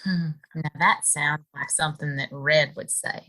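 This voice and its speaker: An actress playing a wistful young saloon woman in a Western audio drama, curious and hesitant, with expressive pauses. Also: deep voice. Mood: hesitant, concerned.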